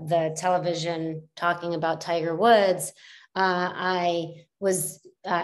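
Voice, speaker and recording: A middle-aged woman speaks with a voice pitched a little low. She is a podcast guest telling her own story in a loose, reflective way. She often stops to restart a thought. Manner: reflective, many fillers and restarts. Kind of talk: casual storytelling in a podcast interview.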